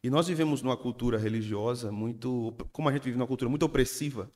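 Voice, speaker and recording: Animated pastor. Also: male voice, medium pitch, quick pace. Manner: animated storytelling, acts out congregants. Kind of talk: sermon.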